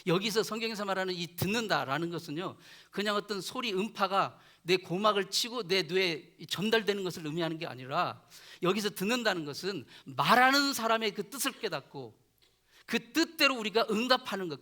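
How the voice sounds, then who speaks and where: A male pastor preaching a sermon in earnest, often letting his voice fall soft at the ends of phrases. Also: high-pitched, animated, a little fast. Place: church chapel.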